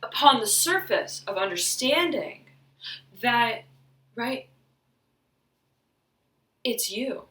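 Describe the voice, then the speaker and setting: Female tarot reader, searching delivery with constant fillers; crisp, lifted tone; reverberant room. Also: fairly high pitch, big pitch swings, a bit bright, distant mic. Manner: halting, searching, fills with "right" and "I'm hearing". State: slightly hoarse. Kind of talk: intuitive tarot reading to camera. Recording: roomy echo, voice off-mic.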